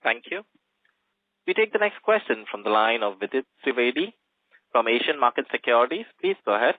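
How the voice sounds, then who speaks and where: A man's voice: mid-range voice, very animated, fairly quick, dry recording. A man moderates a conference call with scripted announcements. His intonation swings up and down, and the sound is a dry, narrow telephone line.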